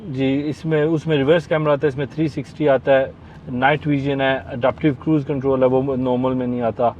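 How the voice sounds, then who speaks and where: Pakistani male guest, mid-pitched, soft and hesitant, slightly dull outdoor recording with faint street hum. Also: level tone. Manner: soft-spoken, hesitant with fillers. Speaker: car owner, guest. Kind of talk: casual interview answers.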